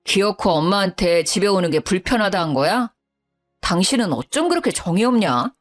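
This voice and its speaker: A woman's voice: medium pitch, animated, moderate pace, soft background music, close to an everyday voice. A woman voicing a defensive young husband who reproaches his wife. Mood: reproachful. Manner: irritated, reproachful.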